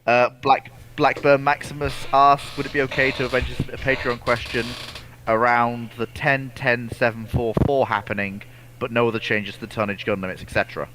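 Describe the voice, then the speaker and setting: A man's voice: medium pitch, flat delivery, a little fast, background noise. A man co-hosting a casual history discussion, reading out and answering viewer questions, often repeating words and restarting phrases.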